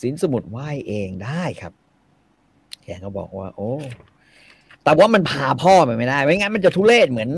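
Animated husky man telling a story. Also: mid-range voice, normal speed, pauses often. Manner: animated, slangy, switches into voices and recites verse. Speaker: storyteller retelling classic Thai literature. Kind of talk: casual comic retelling with acted quotes.

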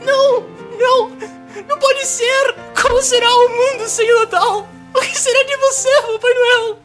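A woman's voice: very high voice, fairly even intonation, moderate pace, over music. A woman playing an earnest, tender young boy in a melodramatic comedic radio drama, with pleading, formal speech. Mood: distraught, tearful. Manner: melodramatic, formal old-fashioned wording.

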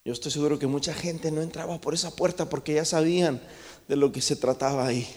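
A man preaching a sermon to his congregation in a church, impassioned, swinging between loud calls and hushed asides. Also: a little high, fairly even intonation, a little fast. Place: church sanctuary. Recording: long church reverb.

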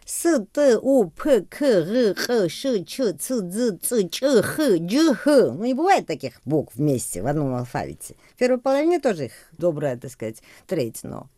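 A woman from Georgia whose first language is Georgian, a singer and songwriter talking as a guest in a radio interview, expressive and musing. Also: mid-range voice, normal speed, few pauses, dry recording, clean studio sound. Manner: expressive, musing, laughs easily.

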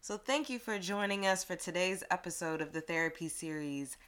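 Young woman podcast host, tired, lowish voice but bright and crisp, laid back. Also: a little fast. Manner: relaxed, laughs easily. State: tired, voice deeper than usual. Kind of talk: casual podcast chat.

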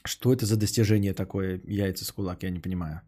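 Man, young adult, podcast host, casual chat, sarcastic, rambling, husky, mellow. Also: deep voice, fairly even intonation, fast talker. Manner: sarcastic, rambling, trails off into mutters. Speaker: podcast host reading donations.

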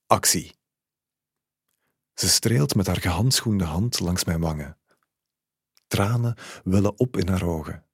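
A man calmly narrating a literary short story in the first person. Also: low-pitched, slow pace, pauses often, slightly rough, no echo, studio quality.

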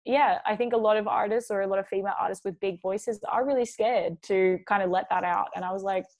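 A young woman singer talks casually about her music in an interview. Her talk is loose and chatty, packed with "like" and "um", and she often acts out what she said to others. Her voice sits at an ordinary middle pitch. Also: fairly even intonation, fast, a little mellow. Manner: chatty, many "like" and "um" fillers, quotes herself.

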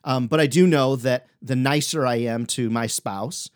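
A man's voice: medium pitch, moderate pace. A man hosting as a sales coach, giving upbeat, organized motivational advice with emphatic, direct address to the listener. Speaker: sales coach and podcast host.

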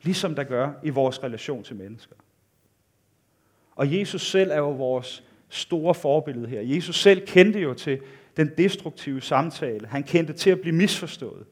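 A man delivers a sermon with a voice pitched a little above the usual male range. His manner is earnest and intimate. He pushes up for emphasis and sinks to near-quiet at the close of each thought. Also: expressive. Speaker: preacher.

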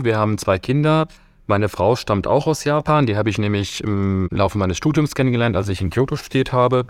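A man speaking as a guest on a podcast panel, connected remotely, calm and matter-of-fact. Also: low voice, no room sound. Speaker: embassy political officer, panel guest.

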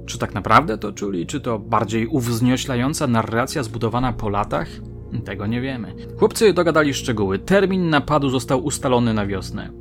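Measured male true-crime narrator. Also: animated, vocal fry. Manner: measured, dramatic storytelling with low dropping phrase ends. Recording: faint music bed under the voice.

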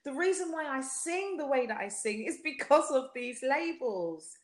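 A woman's voice: high voice, lively intonation, normal speed. A woman with a South London accent giving personal testimony in conversation, speaking emphatically with rhetorical repetition and often checking for agreement. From South London, England. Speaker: podcast guest, singer. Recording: roomy, echoey sound.

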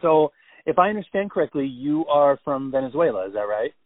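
A man's voice: a little high, sing-song, fairly quick. Man asking rambling questions over a phone line. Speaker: podcast host interviewer. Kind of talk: casual interview questions. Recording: tinny dry phone line.

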